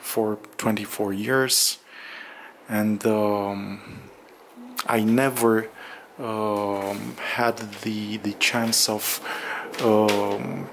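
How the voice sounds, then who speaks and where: A man narrating a casual walk-through vlog in a halting, hesitant way with drawn-out pauses, recorded indoors on a handheld camera. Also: on the low side, little pitch movement, creaky, slight background noise, poor audio. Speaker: vlogger. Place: bare room under renovation, indoors, windows open.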